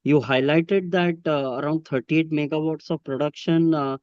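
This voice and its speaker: A man with an Indian accent asking questions on a business conference call in a halting, wordy, polite way. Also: a little high, fairly even intonation, darkish tone, no echo. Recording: muffled, lo-fi conference call audio.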